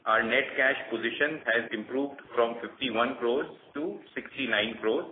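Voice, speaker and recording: An Indian-accented man speaks as a company executive on an earnings call. He is formal and measured, presenting figures in a prepared way. The line is narrow and echoey, with clear noise. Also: mid-range voice. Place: conference call.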